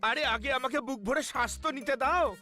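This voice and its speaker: A performer voicing a hapless, good-natured cartoon gentleman who sounds flustered, hesitant and complaining in a children's dub. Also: high-pitched, fast, faint music behind. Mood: exasperated. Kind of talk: dubbed children's cartoon acting.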